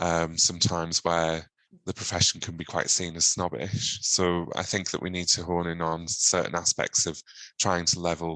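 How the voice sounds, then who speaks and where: A bright, sharp voice with a slight northern English accent speaks in a monotone, flat intonation at a moderate pace in a very clean recording with a silent background. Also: man, very deep, low pitch for a man. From northern England, Yarm near Middlesbrough. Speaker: patent attorney, committee chair. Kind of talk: podcast interview.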